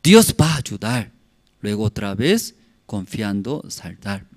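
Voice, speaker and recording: A man's voice: lowish voice, big pitch swings, takes it slowly, no echo, clean studio sound. A male pastor, preaching a sermon in short phrases that he asks and answers himself. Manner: asks and answers his own questions, acts out sounds. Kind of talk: prayer service sermon. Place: church.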